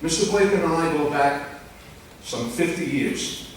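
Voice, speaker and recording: An older man from Long Island, speaking bluntly and loudly to a town board during public comment. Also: on the high side, expressive, moderate pace, a little hiss or hum. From Long Island, New York. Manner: blunt, complaining, loud. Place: large echoey public meeting room. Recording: echoey room audio from far off.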